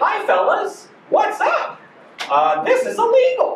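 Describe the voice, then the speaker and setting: A man puts on a character voice, squeaky and extremely high in pitch, at a fairly slow pace. Light background noise and a slight echo sit behind him. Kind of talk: casual lecture.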